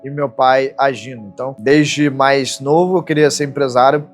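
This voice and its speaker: A man from Rio de Janeiro, a business partner calmly reflecting on his path into entrepreneurship. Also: mid-range voice, moderate pace, soft background music. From Brazil, Rio de Janeiro. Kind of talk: documentary-style personal storytelling.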